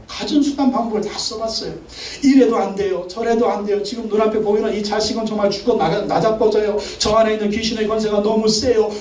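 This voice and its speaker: Male pastor, high voice, forceful preaching with repeated calls, echoey sanctuary picked up from a distance. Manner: emphatic, commanding declarations; repeats phrases for emphasis. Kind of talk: Sunday sermon. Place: large church sanctuary.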